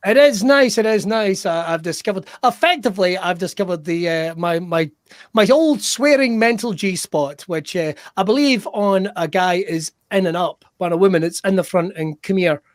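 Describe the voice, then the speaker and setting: A man's voice: sits high, moderate pace, no echo, clean studio sound. A man hosting an improv comedy show with rambling, sweary banter.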